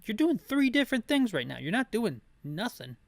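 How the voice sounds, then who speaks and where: A man describes a video game in a casual, rambling way. His voice sits a little high and is recorded dry. He mixes plain description with wry personal opinions. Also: sing-song, moderate pace, gravelly, dry recording. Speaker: video game playthrough narrator.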